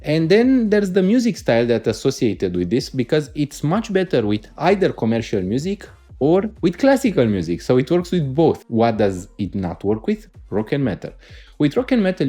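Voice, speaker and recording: Animated Romanian-accented man, mellow voice. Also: mid-range voice. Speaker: audio gear reviewer. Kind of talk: casual spoken product review.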